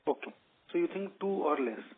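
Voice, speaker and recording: Male investor, slightly high rough voice, polite questioner, tinny telephone audio. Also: very animated, a little fast. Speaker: investor asking questions on an earnings call. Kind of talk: polite questions on a conference call. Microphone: phone conference call. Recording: tinny narrowband phone line.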